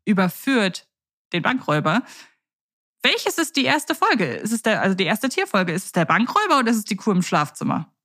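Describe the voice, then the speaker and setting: A woman co-hosts a podcast and steers the conversation with questions. She talks in an articulate, lively way, with a voice in the ordinary middle range for a woman. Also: medium pitch, fairly quick. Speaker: podcast co-host. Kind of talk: casual podcast chat.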